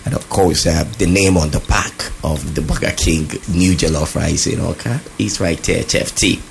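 Deep-voiced radio host. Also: male voice, fairly even intonation, moderate pace, vocal fry, slight background noise. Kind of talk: live radio interview. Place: radio studio.

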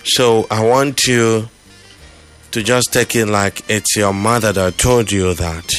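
A man's voice: on the low side, steady tone, slow, a bit bright, soft background music. A man with a Nigerian accent hosting a phone-in, giving advice in a firm, instructive way with plenty of repetition. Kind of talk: conversational advice to a caller.

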